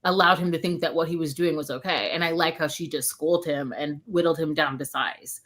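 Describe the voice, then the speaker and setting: A woman's voice: deep voice, steady tone, fairly quick, fairly bright tone. A woman in a casual book club chat, giving firm opinions and acting out imagined dialogue as she goes. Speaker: book discussion panelist.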